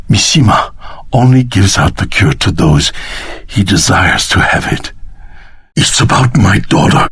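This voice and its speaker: An actor voicing a solemn, dying old Japanese swordmaster in a video game, with a husky, breathy rasp and halting delivery. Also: male voice, lowish voice, dry recording, clean studio sound, heavily acted. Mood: sorrowful. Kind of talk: dramatic video game voice acting.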